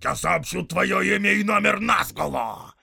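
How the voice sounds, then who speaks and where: Guy doing a big brutish orc soldier, yelling threats, raspy edge. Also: mid-range voice, steady tone, a little slow, dry recording, clean studio sound, heavily acted. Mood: menacing. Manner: loud, menacing, shouting threats. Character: huge brutal male orc warrior, threatening.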